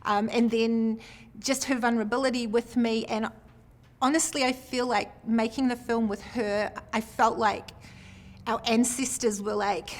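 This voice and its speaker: A woman's voice: fairly high pitch, steady tone, unhurried. Earnest New woman director. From New Zealand. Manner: thoughtful, earnest, with fillers and laughs. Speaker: film director, guest. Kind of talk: interview. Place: indoor venue.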